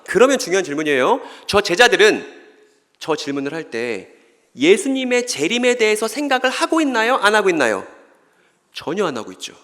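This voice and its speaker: A man's voice: high-pitched, big pitch swings, brisk, sharp tone. A man giving a Bible lecture at a church, who keeps putting questions to the audience and then answering them himself. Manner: acts out short scripture dialogues in voices. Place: church hall. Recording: long reverb of a church hall.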